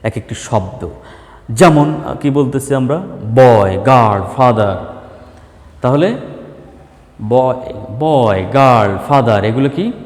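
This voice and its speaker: A Bangladeshi man teaching a primary school lesson, asking questions and answering them himself, sometimes drawing out examples slowly. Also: mid-range voice, lively intonation, long reverb tail. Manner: slow, drawn-out dictation of examples. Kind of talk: online class lesson.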